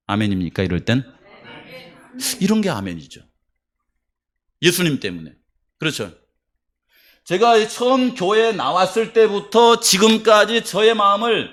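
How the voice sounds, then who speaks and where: A man preaching a sermon in a high-pitched voice. He keeps asking his congregation questions and tells stories with emphasis. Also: fairly bright tone. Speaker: pastor.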